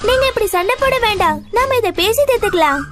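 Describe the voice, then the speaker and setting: Very high, childlike cartoon animal. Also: female voice, animated, fast talker, over loud music. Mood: earnest. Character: kind childlike cartoon animal, peacemaking and curious.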